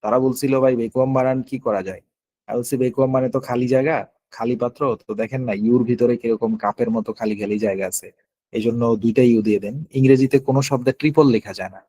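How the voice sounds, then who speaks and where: A man's voice: mid-range voice, fairly even intonation, rapid-fire, mellow, dry recording. A man running a live online spelling quiz, counting down and spelling words out letter by letter. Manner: patient, explanatory. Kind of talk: live online class, calling on students.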